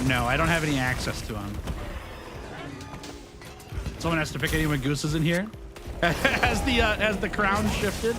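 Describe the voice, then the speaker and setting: A man live-streaming a video game, chatting casually with his viewers, joking and laughing often as he reads their messages aloud. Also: fairly high pitch. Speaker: gaming streamer.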